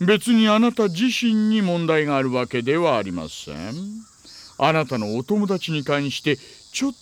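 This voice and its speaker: Smooth sly cop in his middle age, audio drama, super polite but insinuating, pitch all over the place, music under it. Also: big pitch swings, normal speed. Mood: insinuating politeness. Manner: unctuously polite, insinuating, chuckling formality. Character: wily, smooth-talking middle-aged male police detective. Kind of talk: Japanese audio drama acting.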